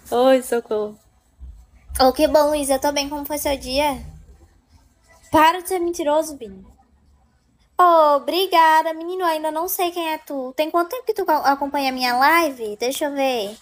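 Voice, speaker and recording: A young woman hosts her own live stream, chatting and joking with viewers. Her voice sits on the high side, and her talk is playful and chatty, with frequent laughs. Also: moderate pace, long pauses. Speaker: livestream host.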